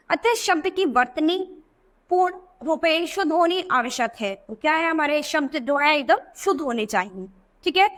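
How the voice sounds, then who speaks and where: A woman's voice: high-pitched, a bit bright. A woman teacher explaining spelling corrections in a classroom lesson, asking questions and answering them herself. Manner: slow deliberate word-by-word examples. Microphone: voice-over for a video book.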